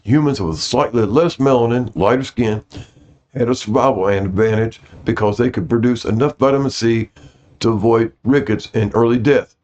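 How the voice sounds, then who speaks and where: Reading notes to his audience, this host uses a medium-pitched, darkish voice at a moderate pace, keeping things casual. He sometimes stumbles, sets the word right, and apologizes for his pronunciation, in dull lo-fi sound.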